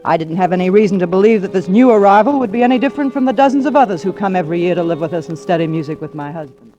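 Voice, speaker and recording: An actress playing an anxious, bedridden wife of a music professor in a 1940s radio drama, narrating with quiet fear. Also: female voice, on the low side, animated, very fast, lightly acted. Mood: uneasy. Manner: fearful, confiding narration. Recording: dull old radio broadcast recording.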